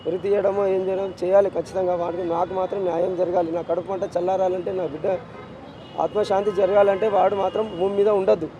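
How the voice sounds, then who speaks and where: A man's voice: high-pitched, little pitch movement, fast, dark tone, lo-fi sound, a little hiss or hum. Anguished father with a Telangana accent. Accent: Telangana Telugu. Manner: anguished, insistent, repeats demands for justice. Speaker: bereaved father being interviewed. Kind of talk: street news interview. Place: outdoors on a city street.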